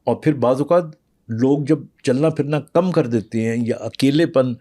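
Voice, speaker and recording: Man explaining calmly, warm dark voice. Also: mid-range voice, no room sound, clean studio sound. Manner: patient, explaining, with fillers and pauses. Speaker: internal medicine doctor, podcast guest. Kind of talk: explanatory interview talk, mixing in English.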